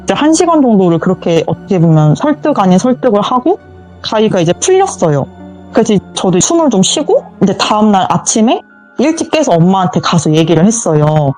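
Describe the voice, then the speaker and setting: Woman, true ghost story, animated storytelling, lively pitch, faint music behind. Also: brisk. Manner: vivid storytelling, acts out quoted voices. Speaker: guest storyteller.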